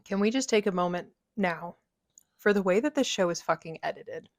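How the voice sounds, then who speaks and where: A young woman co-hosting a podcast, chatting in an animated way with lots of swearing and laughter. Her voice has a middle pitch for a woman. The recording is dry, with little room sound. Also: normal speed, no room sound. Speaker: podcast co-host. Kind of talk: casual chat.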